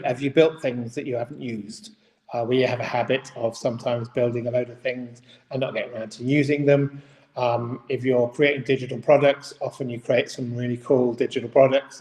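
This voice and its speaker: A man giving an informal, unscripted live talk as a business mentor, speaking in a halting, rambling way and often rephrasing mid-sentence. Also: medium pitch, darkish tone. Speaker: business mentor hosting a daily live video. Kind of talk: informal unscripted monologue to camera. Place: echoey room. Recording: very echoey room, long reverb.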